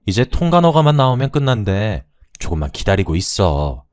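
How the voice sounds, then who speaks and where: A man's voice: lowish voice, sing-song, normal speed, darkish tone. A man playing a stubborn, overconfident older father-in-law who brushes off his wife's worries, in a radio story. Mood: dismissive.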